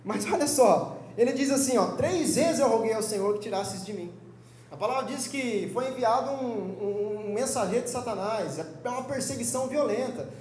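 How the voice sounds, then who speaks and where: High-voiced Brazilian young man preaching. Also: moderate pace, reverberant, a little hiss or hum. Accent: Brazilian Portuguese. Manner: lively, joking, conversational preaching with quoted voices. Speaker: Sunday school teacher. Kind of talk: sermon teaching. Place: church hall.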